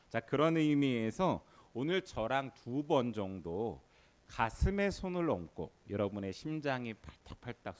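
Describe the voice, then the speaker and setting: A male pastor delivers a Sunday sermon in a church sanctuary. His pitch rises and falls freely as he talks, and he coaxes the congregation into repeating lines back to him. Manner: lively, leads the congregation in call-and-response. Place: church sanctuary during worship.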